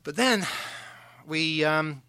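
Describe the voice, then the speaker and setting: Radio host guy rambling through a story, bright tense voice, dry close mic, lots of stops and restarts. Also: fairly high pitch, clean tone, no room sound. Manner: rambling, halting, self-deprecating. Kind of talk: casual on-air storytelling.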